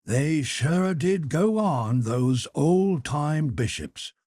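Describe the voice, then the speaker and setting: A man's voice: fairly high pitch, expressive, drawn-out words, a little mellow, no room sound, voice pushed up, full character voice. A man voicing a blunt, jovial Canadian whaler in an audiobook, with a folksy, teasing, skeptical way of talking. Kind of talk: audiobook character dialogue.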